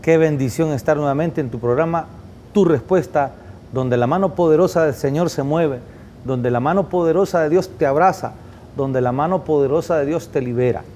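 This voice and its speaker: A man's voice: on the high side, moderate pace, mellow, a little hiss or hum. A man hosting a Christian television program, speaking with a fervent, repetitive preacher cadence.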